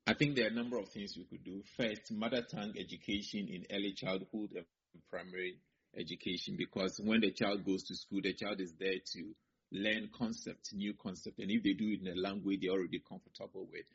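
A husky, breathy-edged man speaks as a professor in an interview. His voice sits a little low, and he talks in a measured way, setting out points in order before ending firmly. The sound is slightly muffled. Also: fairly even intonation. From Ghana. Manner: measured, lists points in order, firm conclusions. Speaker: associate professor of linguistics, interview guest. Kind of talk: explanatory interview answers. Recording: slightly muffled broadcast audio.

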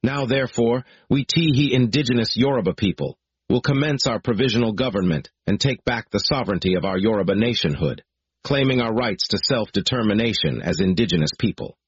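A man reading out a formal political declaration in a solemn, deliberate, measured way. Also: on the low side, animated, breathy edge, dry recording. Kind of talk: formal read proclamation. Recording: dry, dull lo-fi recording.

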